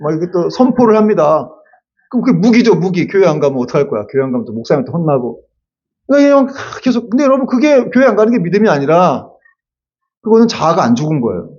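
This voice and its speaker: A male pastor giving a lively Sunday sermon, acting out quotes and adding casual asides to the congregation. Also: high-pitched, fast, breathy edge, lo-fi sound. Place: church sanctuary.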